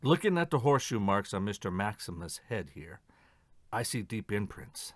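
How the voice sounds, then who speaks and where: Man playing a low-voiced, probing inspector. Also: sing-song, no echo. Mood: probing, calm. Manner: measured, questioning. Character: probing, methodical male police inspector. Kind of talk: audio theatre murder mystery acting.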